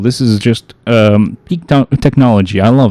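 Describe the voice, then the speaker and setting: The man's voice carries a non-native accent. His pitch is medium. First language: not English. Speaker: gaming streamer. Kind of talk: live gameplay stream commentary. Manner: casual, hesitant with many fillers.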